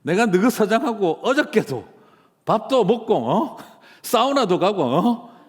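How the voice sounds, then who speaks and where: A man doing a loud, swaggering gangster boasting in a mock Gyeongsang dialect, in a reverberant church hall. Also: high voice, very animated, a little slow, voice pushed up. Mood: boastful. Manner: shouting bravado, taunting tags.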